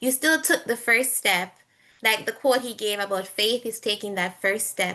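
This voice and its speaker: Delivered at a moderate pace with a Jamaican accent, the voice has a bright, sharp tone and ordinary pitch variation. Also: woman. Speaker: student debater. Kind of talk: workshop remarks.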